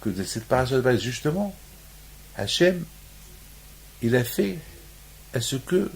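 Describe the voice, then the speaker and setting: A man's voice: medium pitch, big pitch swings, unhurried, vocal fry. A man from Morocco giving a sermon on the weekly Torah portion, restating his points over and over and rising into emphatic peaks. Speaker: rabbi.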